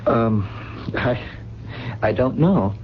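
A dull, faintly noisy 1970s radio recording carries a lost, world-weary drifter. He is gentle and educated, choosing formal words with many hesitations, in a mid-pitched male voice. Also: lively intonation. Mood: bewildered, hesitant. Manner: halting, hesitant, formal wording. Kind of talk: 1970s radio drama acting.

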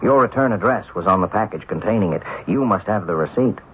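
Man playing determined wronged banker, low earnest voice, radio mystery drama, muffled recording. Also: lively intonation, brisk, lightly acted. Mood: firm, insistent. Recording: muffled, noisy old radio broadcast.

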